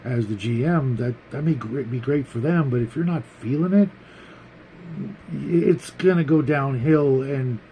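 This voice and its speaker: A man hosting a tabletop gaming show, talking casually to viewers in a halting way, thinking aloud and repeating words. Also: medium pitch, dark tone, slight background noise, poor audio. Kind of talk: casual, rambling opinion talk to viewers.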